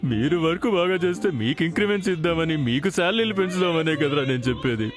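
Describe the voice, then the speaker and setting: A man's voice: fairly high pitch, expressive, fast talker. A man playing an office manager in a comedy sketch, scolding and then complaining, with Tamil and Kannada words mixed into his Telugu.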